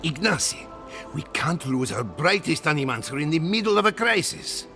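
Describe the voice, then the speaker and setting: A man's voice: fairly high pitch, big pitch swings, normal speed, vocal fry, pushed and bright, soft background music, heavily acted. An actor playing a principled, protective old scholar and mentor, an earnest and courteous man in video game dialogue. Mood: indignant.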